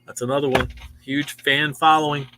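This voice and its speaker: In a comic book store, a chatty man in his sixties hosts a casual show-and-tell of new comics, easily impressed and saying "wow" a lot. His voice sits a little high, with a flat delivery at a moderate pace. Background noise is audible.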